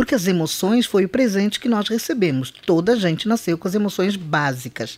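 Speaking at a moderate pace with a Brazilian accent, a woman keeps a medium pitch and very even loudness while her pitch swings very widely. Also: hardly any pauses. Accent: Brazilian-sounding Portuguese. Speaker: clinical psychologist. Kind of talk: radio interview. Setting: radio studio.

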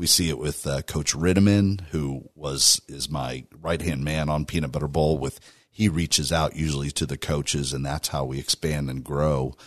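A man's very deep, low voice with vocal fry and fairly even intonation, at a moderate pace with hardly any pauses. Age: 50s. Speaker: radio host and pastor. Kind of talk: casual interview as guest.

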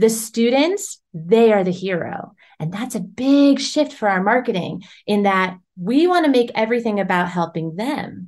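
A woman with an American accent speaks at a moderate pace in a fairly high voice. Her tone is animated and her intonation lively. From California. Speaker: singing coach and business consultant to voice teachers. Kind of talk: interview. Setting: video call.

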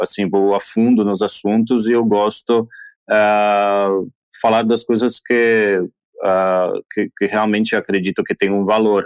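The very clean recording with a silent background holds a man speaking very slowly in a monotone, flat way. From Slovakia. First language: Slovak (speaking Portuguese). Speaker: entrepreneur, gin brand founder. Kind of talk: interview. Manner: halting.

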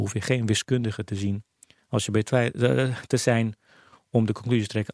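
The sound is dry and close, with no echo. A man talks at a medium pitch, using ordinary pitch variation. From former Yugoslavia. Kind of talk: interview.

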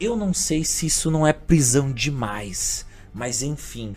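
Speaking with a Brazilian accent, a man uses a fairly high pitch that swings very widely. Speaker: podcast host. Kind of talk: casual chat, history storytelling. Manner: humorous, animated.

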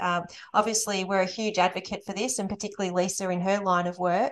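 This woman has a medium pitch and fairly even intonation. She talks at a very fast pace. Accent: Australian. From Australia. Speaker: podcast host, health coach. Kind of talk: interview.

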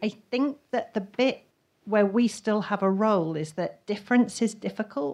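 A woman uses a normal speaking voice, fairly high in pitch, with lively intonation at a moderate pace. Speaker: academic dean at art school. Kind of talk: panel discussion. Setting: panel event with audience.

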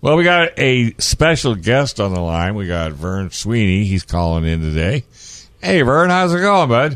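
A man speaks at a moderate pace, his pitch fairly low. His voice swings very widely in pitch. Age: 70s. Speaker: motorsports radio host. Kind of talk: casual chat. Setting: studio.

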